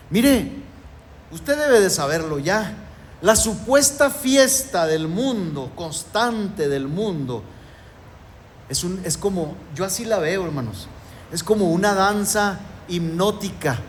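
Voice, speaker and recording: A man's voice: high voice, expressive, takes it slowly, slight background noise. A man preaching an emphatic sermon to his congregation, often calling them brothers. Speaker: pastor.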